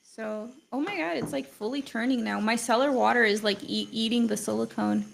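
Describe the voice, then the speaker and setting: A young woman, an art teacher whose first language isn't English, chats through a live drawing stream in a fairly high, gravelly voice full of fry. She talks briskly and rambles loosely, packing her sentences with "like."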